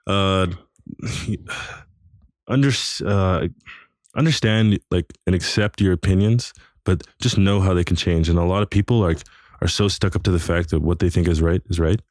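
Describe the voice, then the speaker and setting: Young man, very low voice, rambling slangy podcast talk, dry close sound. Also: fairly even intonation, moderate pace, a little mellow, no echo. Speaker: podcast host. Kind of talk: casual chat.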